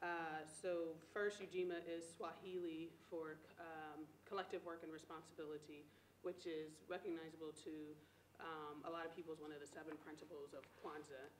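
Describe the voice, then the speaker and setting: A woman with a very deep, low voice speaks at a moderate pace in a flat monotone, with audible echo in the room. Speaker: community organization director. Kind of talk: panel presentation. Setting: classroom event with audience.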